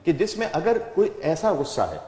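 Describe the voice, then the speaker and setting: A man, a religious scholar in a debate, explaining rulings in a measured way and holding his point against interruptions. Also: on the high side, wildly swooping pitch, mellow. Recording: echoey hall reverb.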